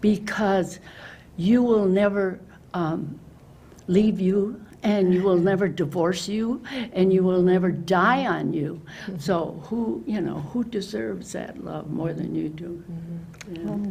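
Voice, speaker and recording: A woman's dark, mellow voice at medium pitch, with vocal fry, ordinary pitch variation, a very slow pace and long, frequent pauses. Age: 80s+. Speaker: author. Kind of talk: interview answer.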